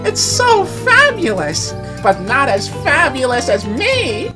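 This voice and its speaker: A man's voice: very high voice, huge pitch swings, slow, music in the background, voice pushed up, exaggerated voice. A man voicing a dainty, vain young male cartoon kitten in a story, mewling and effeminate. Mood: gushing, excited.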